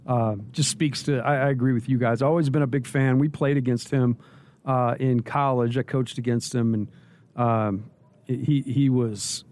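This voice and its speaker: A man who used to coach, giving relaxed basketball analysis and joking on a postgame radio show. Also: medium pitch, moderate pace.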